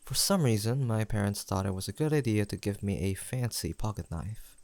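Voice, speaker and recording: A young man playing a sentimental, teasing longtime best friend in an intimate audio roleplay, pausing for an unheard listener. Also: lowish voice, animated, no echo. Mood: reflective storytelling. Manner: soft-hearted, playful banter with pauses for an unheard listener.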